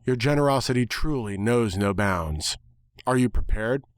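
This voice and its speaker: A man's voice: mid-range voice, expressive, normal speed, smooth, no room sound, clean studio sound, close to an everyday voice. A man voicing a haughty, impatient female talking bird with formal, sarcastic, contemptuous delivery in a story reading.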